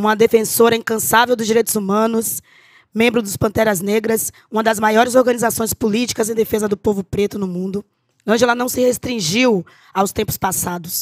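A woman speaks at a moderate pace with a fairly high pitch and fairly even intonation. The sound is dry with no echo over a quiet background. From Brazil. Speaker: housing rights activist. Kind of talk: panel talk. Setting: stage with audience. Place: meeting room. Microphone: handheld.

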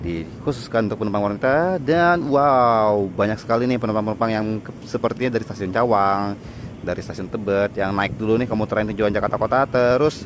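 Noticeable background noise sits under a dry, echo-free recording of someone talking at a fairly quick pace with ordinary pitch variation. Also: man, fairly low pitch for a man. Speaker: travel vlogger. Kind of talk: casual vlog commentary. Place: station. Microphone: phone near.

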